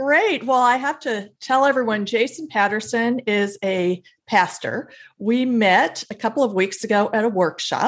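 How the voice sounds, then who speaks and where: The speaker has an American accent and talks at a fairly slow pace with ordinary pitch variation. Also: woman, fairly high pitch for a woman, quiet background. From US South. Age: 50s. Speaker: podcast host. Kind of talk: interview.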